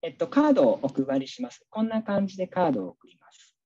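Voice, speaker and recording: A man's voice: high-pitched, big pitch swings, quick pace, dark tone, lo-fi sound. A man teacher giving a casual, chatty online workshop, walking the audience through a demo with many fillers.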